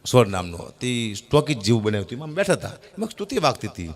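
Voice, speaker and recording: A middle-aged man, an animated folk comedian telling stand-up jokes at a gathering and shouting his punchlines. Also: mid-range voice, quick pace.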